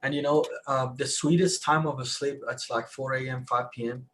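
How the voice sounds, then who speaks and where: Man telling a story in halting restarts. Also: mid-range voice, steady tone, a bit bright. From Iran. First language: Persian. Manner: halting, many restarts, rising emphasis. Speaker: panelist. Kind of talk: live online discussion.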